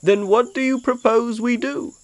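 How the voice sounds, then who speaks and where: A man's voice: extremely high pitch, steady tone, normal speed, dry recording. A man playing a kindly, earnest, wronged man with a pumpkin for a head in an amateur audio drama. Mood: questioning.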